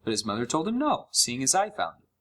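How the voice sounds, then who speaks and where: A man's voice: medium pitch, huge pitch swings, quick pace, a bit bright. A man playing a sarcastic, curious young gamer, narrating a first-person horror story in a wry, conversational way. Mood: nostalgic, mildly eager. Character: sarcastic, curious young male gamer recounting a creepy found game.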